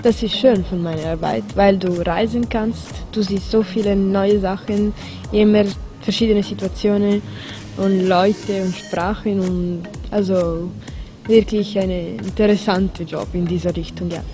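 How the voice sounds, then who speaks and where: A woman's voice: medium pitch, steady tone, measured pace, warm tone, soft background music. A young woman from the Italian-speaking part of Switzerland, a native Italian speaker answering interview questions in careful, hesitant German. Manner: hesitant, searching for words in a second language. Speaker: interviewed model. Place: indoor hotel lounge. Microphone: handheld mic held to her.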